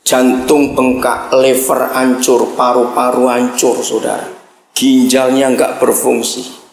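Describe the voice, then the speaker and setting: A man preaching a sermon as pastor, impassioned and at times shouting, often calling out to his congregation. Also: mid-range voice, level tone, slow, gravelly, roomy sound, slight background noise.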